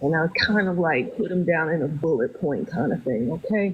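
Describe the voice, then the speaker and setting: A woman's fairly low, somewhat breathy voice moves through very wide pitch swings. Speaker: caller on political livestream. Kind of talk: call-in discussion.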